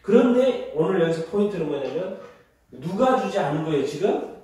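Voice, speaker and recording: A man leads a Bible study as pastor, with a fairly high voice that keeps turning statements into questions for his listeners. He slows right down when he reads scripture aloud. The sound is distant and washed in the heavy echo of a church sanctuary. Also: big pitch swings, mellow. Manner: teaching by quizzing the congregation and repeating answers; reads scripture aloud slowly together with the congregation. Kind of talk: Wednesday Bible study sermon. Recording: very echoey hall, mic far off.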